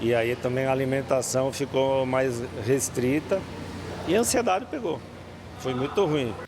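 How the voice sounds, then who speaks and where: Over noticeable background noise and audible room echo, a man speaks at a medium pitch and a fairly slow pace, with ordinary pitch variation and long, frequent pauses. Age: 60s. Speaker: gym member interviewed. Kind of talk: interview testimony.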